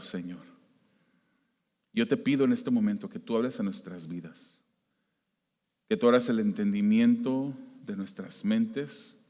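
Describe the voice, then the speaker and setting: A man from the United States preaching a sermon as pastor, shifting between loud emphasis and quiet, hushed prayer. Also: on the low side. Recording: long hall reverb.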